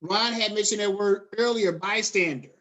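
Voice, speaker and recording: A middle-aged man lectures his students in an easy, conversational way. He mixes textbook terms with relaxed slang and talks to the class directly. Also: high voice, normal speed, highs cut off. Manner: conversational, drifts into casual slang. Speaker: college lecturer.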